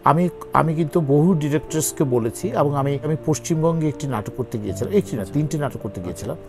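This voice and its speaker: A man's voice: a little high, fast talker, soft background music. A male actor, talking as an interview guest in an earnest, emphatic, pleading way. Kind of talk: interview conversation.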